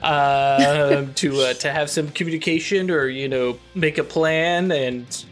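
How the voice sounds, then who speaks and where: A man narrating as game master of a tabletop role-play, talking in a halting way with many fillers and restarts. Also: on the high side, steady tone, soft background music. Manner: halting, lots of fillers and self-corrections.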